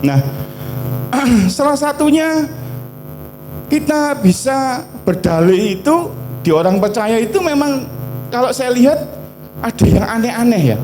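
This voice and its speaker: A man with a Javanese accent preaching a lively, joking sermon. His voice sits high and swings widely in pitch, yet it has a mellow, dark tone. He mixes local words and playful asides into his preaching. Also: measured pace, pauses often, soft background music. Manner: animated and humorous, acts out quoted prayers. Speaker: pastor.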